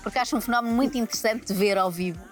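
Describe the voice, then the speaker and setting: A woman's voice: a little high, soft background music. A woman with a European Portuguese accent, a comedian chatting in an interview with a skeptical, ironic manner. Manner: ironic, skeptical, quick-talking. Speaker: comedian guest. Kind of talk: casual interview talk. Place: large empty arena.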